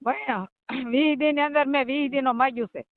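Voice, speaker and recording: A woman's voice: sits high, steady tone, brisk. A middle-aged woman with a Kathiyawadi Gujarati accent, speaking plaintively and informally as a caller on the phone. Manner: plaintive, recounting hardships. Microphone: phone call. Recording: band-limited phone call recording.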